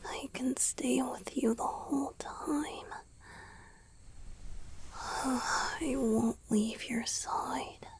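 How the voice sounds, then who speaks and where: A woman voicing a tender, devoted young male vampire boyfriend in a soft, breathy whisper for a romantic ASMR roleplay. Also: high-pitched, fairly even intonation. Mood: relieved, joyful. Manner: slow, gentle, devoted, lingering pauses.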